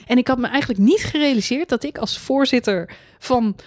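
Woman podcast cohost, kinda high voice, fast and lively, dry close sound. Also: dry recording. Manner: animated, quick, mocks drivers with put-on quotes. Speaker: podcast co-host. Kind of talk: casual chat about motor racing.

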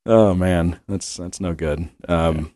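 A man's voice: low voice, slow, mellow, no room sound, clean studio sound. A man co-hosting a podcast in casual chat, rambling and laughing often while he has a cold and cough. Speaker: podcast co-host.

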